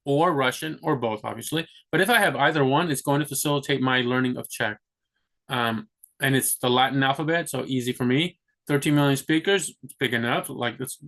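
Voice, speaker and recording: A man's voice: medium pitch, pushed and bright. Rambling man talking about his plans. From United States. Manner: rambling, many restarts and "like" fillers. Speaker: vlogger. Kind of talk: casual talk to camera.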